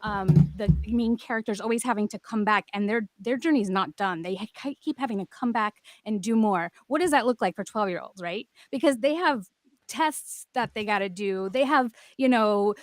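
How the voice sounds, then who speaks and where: A woman's voice: fairly high pitch, dry recording. A woman talking casually as a creator on a panel, in a conversational way with illustrative asides.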